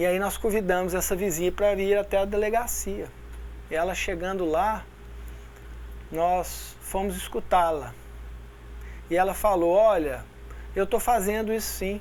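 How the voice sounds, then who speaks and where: A man's voice at a fairly slow pace, broken by long, frequent pauses, with audible room echo. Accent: Minas Gerais. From Minas Gerais, Brazil. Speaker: conflict mediator and course instructor. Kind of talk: online lecture with anecdote.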